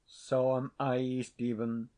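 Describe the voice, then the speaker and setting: A man voicing a stern, cold Scottish laird who speaks in a measured, commanding way. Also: mid-range voice, level tone, dark tone, lightly acted.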